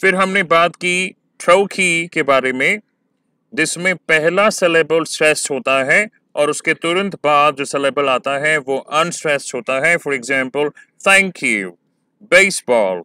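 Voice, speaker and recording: A man teaching exam-prep poetry lessons, talking slowly and stretching words to show syllable stress. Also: a little high, pushed and bright, clear, resonant tone, dry recording, clean studio sound.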